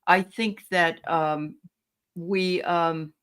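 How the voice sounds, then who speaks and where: A woman's voice: on the low side, steady tone, extremely slow, a bit bright, clear, resonant tone. A woman from the Boston area chatting casually and opinionatedly on a group show, laughing easily. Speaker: tarot show co-host. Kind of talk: casual chat.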